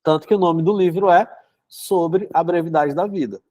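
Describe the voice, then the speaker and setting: A young man from the northeast hosts a live book club, talking casually and dotting his sentences with "né?". His nose is congested from a cold, and his voice is mellow and sits a little high for a man. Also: normal speed, no echo. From São Luís, Brazil. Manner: chatty, filler-heavy, frequent "né?". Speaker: psychotherapist hosting a book club. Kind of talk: casual live-stream talk and reading aloud.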